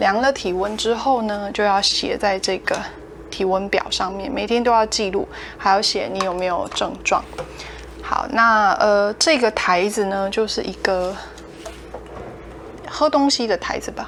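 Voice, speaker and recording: Speaking in a Taiwanese accent, a woman goes at a fairly slow pace with long, frequent pauses and ordinary pitch variation. Noticeable background noise can be heard. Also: medium pitch for a woman. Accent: Taiwanese Mandarin. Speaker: language teacher. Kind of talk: casual talk to camera. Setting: hotel room.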